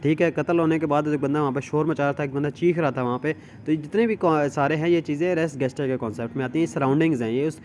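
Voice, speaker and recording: A man's voice: fairly high pitch, quick pace, few pauses, a little mellow, slight background noise. A man with a Pakistani accent giving an explanatory law lecture, reading out formal text and explaining it informally in a repetitive way with frequent check-ins.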